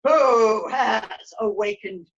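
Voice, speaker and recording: A woman voicing a grumpy, imperious old male dragon in a puppet show, with slow, drawn-out proclamations. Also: fairly high pitch, slight background noise. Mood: imperious, threatening. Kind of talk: puppet show character acting. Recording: dull, lo-fi sound.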